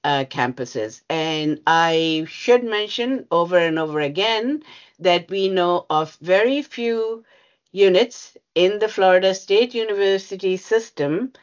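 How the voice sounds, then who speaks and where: Heard through a video call with lo-fi sound, a woman with a fairly low-pitched voice presents slides to a bargaining meeting. She's a union bargaining representative who speaks hesitantly and uses lots of fillers.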